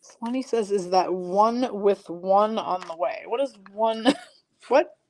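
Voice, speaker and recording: A woman's voice: medium pitch, slow, darkish tone, rough recording. A woman hosting a live card break, chatting with viewers and reading off card names and teams, her voice a little froggy. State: slightly froggy voice. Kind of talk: live-streamed card break, casual chat.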